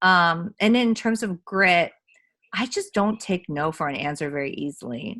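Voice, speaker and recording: Music plays in the background as a woman with a Southern Californian accent speaks at a moderate pace in a warm tone with ordinary pitch variation. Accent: Valley Girl. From US West Coast, Sacramento. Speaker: tech executive and investor. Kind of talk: panel Q&A talk. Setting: video call. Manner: warm, upspeak-like intonation; casual, many filler words.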